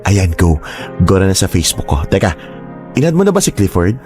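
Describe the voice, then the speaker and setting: A man's voice: low-pitched, very animated, a little fast, a little mellow, soft background music. A man playing a flamboyant, scheming young gay man who is boastful and playful, with a campy, teasing, theatrical delivery. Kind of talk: radio drama acting.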